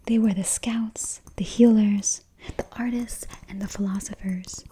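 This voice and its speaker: Hushed, whispering woman in soft mellow ASMR. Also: medium pitch, fairly even intonation, a little hiss or hum, rough recording. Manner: gentle, deliberate, reassuring affirmations.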